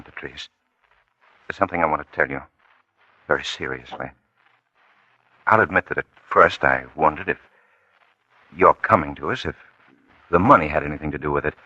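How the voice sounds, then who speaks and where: A man's voice: extremely low pitch, slightly rough, dry recording, exaggerated voice. An actor playing an earnest young man in love, speaking eagerly in 1940s radio drama style. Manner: earnest, eager, warm-hearted. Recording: dull, dry old radio recording with music.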